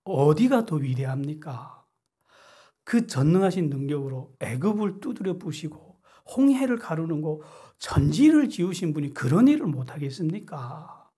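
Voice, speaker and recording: A male pastor preaching a sermon with deep emotion, dropping to near whispers and then rising sharply. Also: warm tone, slightly rough.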